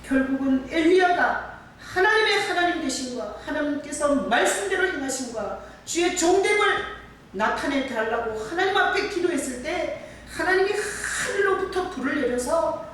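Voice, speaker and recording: High-voiced woman preaching in an echoey hall. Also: animated, normal speed, a bit bright, slight background noise. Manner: conversational, asks the congregation questions. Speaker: pastor. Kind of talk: sermon. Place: church sanctuary. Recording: echoey church hall from far off.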